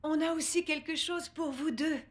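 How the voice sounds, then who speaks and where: A woman voicing a kind, cheerful young mother in a children's cartoon dub, gentle and encouraging. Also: sits high, fairly even intonation, moderate pace, close to an everyday voice.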